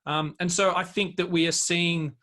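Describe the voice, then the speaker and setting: A man's voice: sits high, fairly even intonation, normal speed, pushed and bright. A man speaking as a guest expert in an interview, giving emphatic, argumentative commentary in an unscripted way.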